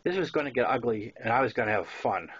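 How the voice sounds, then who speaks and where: A man in his sixties with a Boston accent narrates a memoir in a mid-pitched voice. He tells it conversationally, like an author reading his own work with casual asides. The recording is dull and lo-fi. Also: expressive, fast, fairly bright tone, slightly rough. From Massachusetts, US. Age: 60s.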